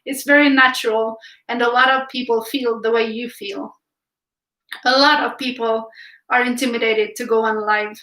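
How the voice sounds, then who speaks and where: A woman's voice: fairly high pitch, steady tone, moderate pace, bright, forceful tone, roomy sound. A young woman from Finland with a Finland Swedish accent, chatting casually on a live stream while painting and reading viewer comments aloud. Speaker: art livestream host. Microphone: camera filming from above.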